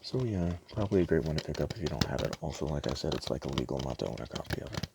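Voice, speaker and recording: A man doing a casual, rambling ASMR roleplay, talking hesitantly and stumbling as he reads things out, in a very deep, gravelly voice. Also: expressive, very fast, noisy background. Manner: casual, hesitant, stumbles over words and self-corrects. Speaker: ASMR roleplay performer playing a DVD store clerk.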